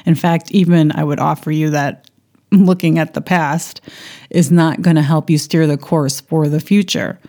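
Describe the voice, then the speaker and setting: A woman with a lowish voice talks through a self-help podcast episode. Her tone is mellow and warm, reflective and coaching. She often restarts and repeats phrases as she thinks aloud. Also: steady tone, moderate pace. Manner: reflective, coaching tone with personal anecdotes. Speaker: podcast host.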